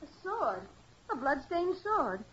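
An actress playing a detective's curious, plucky American assistant in a 1940s radio drama, with an inquisitive, quick-reacting delivery. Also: female voice, high voice, sing-song, a bit bright, a little hiss or hum, heavily acted. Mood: shocked. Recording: dull, muffled vintage radio recording.

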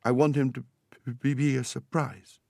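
A man's voice: medium pitch, steady tone, moderate pace, vocal fry, darkish tone, no room sound, voice pushed up, natural voice. A man reading a storybook as an earnest, proud young boy who stammers. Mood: anxious, pleading. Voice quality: stammering on words and sounds.

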